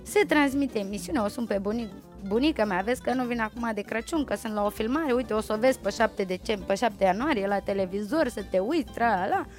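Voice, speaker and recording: A woman's voice: a little high, few pauses, faint music behind. A woman, telling a long anecdote in casual chat and acting out the quotes. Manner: lively anecdotal, acts out quotes. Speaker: guest. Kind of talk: casual storytelling on a podcast.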